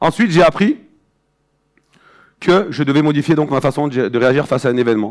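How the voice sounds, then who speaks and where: Speaking at a fairly quick pace, a man with a fairly high pitch keeps his loudness very even and his pitch variation ordinary, yet leaves long, frequent pauses. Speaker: motivational speaker. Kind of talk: conference talk. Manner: fast; animated.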